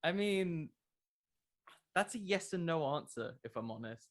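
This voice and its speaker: A man's voice: on the high side, animated, measured pace. Casual, emphatic man being interviewed. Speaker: podcast creator being interviewed.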